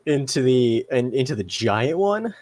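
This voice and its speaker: A man's voice: medium pitch, very animated, measured pace, darkish tone, no echo. A man running a tabletop game as game master, improvising narration and often searching for his words.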